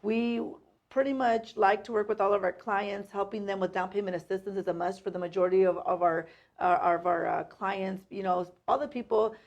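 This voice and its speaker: Earnest woman with a gravelly edge. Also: mid-range voice, steady tone, fairly quick. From San Jose, California. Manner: friendly, earnest, uses "um" often. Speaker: mortgage loan officer and podcast co-host. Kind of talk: casual podcast chat.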